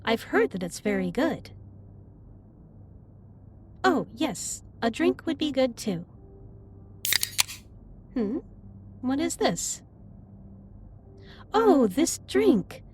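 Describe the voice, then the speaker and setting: Gentle, high-voiced alien captain played by a woman. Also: big pitch swings, extremely slow, long pauses, slight background noise, exaggerated voice. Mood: curious. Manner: formal, precise, slightly stilted wording. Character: gentle, earnest female alien starship captain. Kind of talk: scripted roleplay audio, addressed to the listener.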